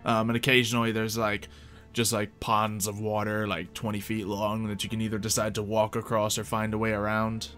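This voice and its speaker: Bright-voiced man casually narrating a game. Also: on the low side, completely flat delivery, faint music behind. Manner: informal, halting, conversational. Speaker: game master. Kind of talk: improvised narration of a tabletop roleplay game.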